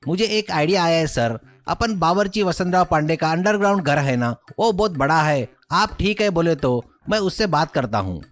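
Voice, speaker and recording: A scheming male assistant from a cartoon moral tale, acted by a man. He is eager and excitable, always making excuses. The voice is fairly high and very animated, over faint music. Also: normal speed, hardly any pauses, natural voice.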